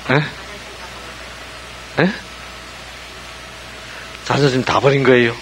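A man's voice: mid-range voice, very slow, slight background noise, poor audio. A man preaching a sermon, constantly asking the congregation questions and answering them himself. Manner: animated, asks listeners rhetorical questions constantly. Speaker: pastor. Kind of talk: sermon with call-and-response questions.

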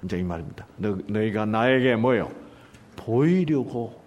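A pastor preaches a sermon on a Bible passage in a lowish, animated voice at normal speed. He often poses rhetorical questions and answers them himself, swinging from loud delivery to sudden whispers.

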